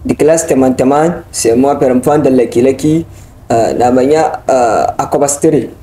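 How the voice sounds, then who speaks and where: Young male student interviewee, foreigner speaking halting Indonesian with Arabic accent; soft-edged tone, roomy sound. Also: medium pitch. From Arab world. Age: young adult. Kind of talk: interview answers. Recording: echoey room.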